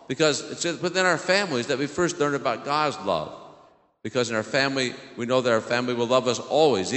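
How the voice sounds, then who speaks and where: American priest preaching in a reverberant church. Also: male voice, mid-range voice, fairly bright tone. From southern Illinois, United States. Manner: simple questions to children, repeats their answers. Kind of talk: children's homily in church. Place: large indoor church. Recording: echoey church hall, long reverb.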